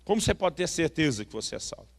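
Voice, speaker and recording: A Brazilian man preaching with a Brazilian Portuguese accent. His voice sits a bit high and has a gravelly edge. He tells a story in a lively way, voicing each person in the exchange and often tagging lines with a quick question. The sound carries a long reverb, as in a large hall. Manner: animated storyteller acting out dialogue, frequent "né". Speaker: pastor. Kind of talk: sermon storytelling.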